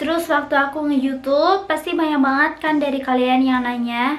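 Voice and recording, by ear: A woman with a high pitch talks at a fairly quick pace. Her intonation stays fairly even.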